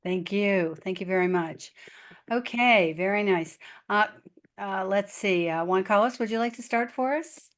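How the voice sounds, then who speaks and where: A woman moderating a judging session, briskly thanking the presenter and calling on judges. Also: medium pitch. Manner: brisk, calls on judges by name.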